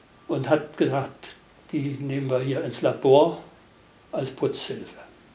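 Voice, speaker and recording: A fairly high-pitched man at a very slow pace, with fairly even intonation and audible room echo. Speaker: war witness. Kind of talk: testimony. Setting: interview. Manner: halting.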